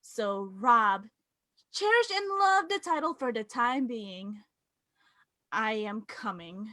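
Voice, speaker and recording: A woman playing an arrogant, combative royal prince wrestler in a staged promo reading, pompous and measured. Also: a little high, lively intonation, sharp tone, no room sound, exaggerated voice. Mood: defiant. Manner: pompous, measured trash talk.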